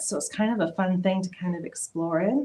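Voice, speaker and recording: A woman with an unremarkable speaking voice talks at medium pitch and a moderate pace with fairly even intonation. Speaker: product specialist demonstrating quilting tools. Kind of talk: live stream product demo chat.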